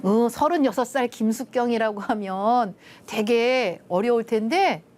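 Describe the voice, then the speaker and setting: A middle-aged woman lecturing on a Christian TV show. She tells a personal story in an animated way, acts out the lines she quotes, and drops to soft, hushed tones at tender moments. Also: fairly high pitch, measured pace, a little hiss or hum. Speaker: lecturer, love institute director. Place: TV studio.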